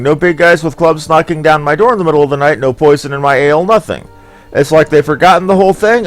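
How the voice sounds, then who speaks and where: Ein Mann spielt einen geschwätzigen Spieler. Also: male voice, a little high, voice pushed up, natural voice, poor audio. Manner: chatty, rambling. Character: gossipy indebted male gambler, rattled.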